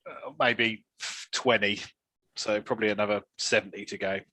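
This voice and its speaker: A man co-hosting a casual hobby chat in a relaxed, joking way. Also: on the low side, moderate pace, dry recording, rough recording. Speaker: podcast co-host.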